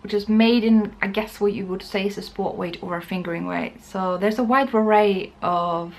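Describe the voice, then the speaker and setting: A woman's voice: mid-range voice, normal speed. A woman chatting casually and informally to camera as the host of a knitting podcast. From Norway.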